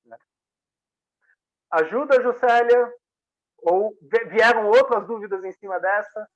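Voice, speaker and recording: Guy leading a workshop over a video call, pretty high voice, keeps saying né, kinda muffled lo-fi sound. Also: measured pace. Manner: frequent tag questions, conversational. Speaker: workshop facilitator. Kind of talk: reflective teaching talk.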